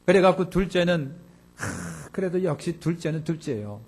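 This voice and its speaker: A male pastor delivers a lively, colloquial sermon and keeps putting questions to his listeners. His voice sits fairly high for a man. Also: moderate pace, creaky. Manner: animated, colloquial, questions the congregation.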